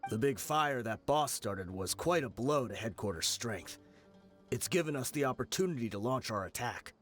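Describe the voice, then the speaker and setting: An actor voicing a somber, deliberate veteran desert mercenary in a video game. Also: male voice, mid-range voice, expressive, close to an everyday voice. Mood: solemn, resolute. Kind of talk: scripted video game voice acting. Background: game music.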